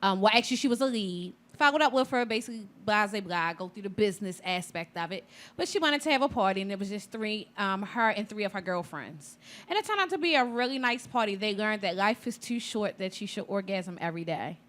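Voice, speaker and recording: A woman co-hosting a radio talk show, upbeat and quick to chime in. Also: mid-range voice. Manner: lively, upbeat, chiming in. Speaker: radio co-host. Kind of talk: casual chat.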